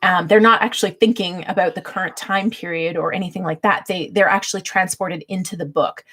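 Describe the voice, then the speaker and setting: A middle-aged woman with a slightly husky voice, hosting a casual livestream and teaching in a chatty, light-hearted way. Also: on the low side, steady tone, fairly quick, fairly bright tone. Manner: chatty, laughs readily as she talks. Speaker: livestream host giving book-writing tips. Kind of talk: casual livestream teaching talk with chat replies.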